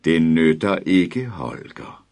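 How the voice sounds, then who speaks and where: A man voicing a sinister inhuman figure in black who speaks calmly and pleasantly, slow and soft with quiet menace. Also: very deep voice. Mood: cold.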